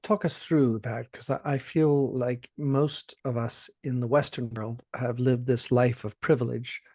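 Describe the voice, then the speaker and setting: A man's voice: mid-range voice, darkish tone, no room sound, clean studio sound. Male podcast host, conversational. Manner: conversational, frequent restarts and repetitions. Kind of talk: casual interview talk.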